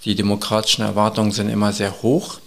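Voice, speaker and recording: A man answering interview questions as an expert guest, earnest and urgent, with measured phrasing and frequent hesitations. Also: fairly low pitch, flat delivery, vocal fry.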